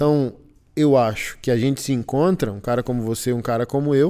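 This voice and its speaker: On a very clean recording with a silent background, a man with a dark, mellow tone talks at a fairly quick pace. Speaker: pastor and podcast host. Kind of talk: podcast conversation.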